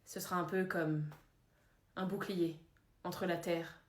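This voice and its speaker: Soft-spoken teen genius inventor, low and hushed, a woman acting it. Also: flat delivery, slow pace, echoey room. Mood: proud. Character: quiet earnest young genius inventor.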